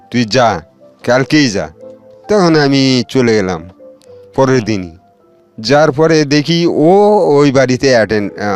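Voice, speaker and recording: A middle-aged man with a colloquial Bangladeshi accent, telling his life story in a loose, rambling way. He talks at an ordinary, middle pitch and often stops to restart a sentence. Soft music plays faintly underneath his voice. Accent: Bangladeshi colloquial Bengali. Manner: rambling storyteller with fillers and restarts, quoting others. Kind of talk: casual spoken life story. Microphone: radio studio or phone-in line.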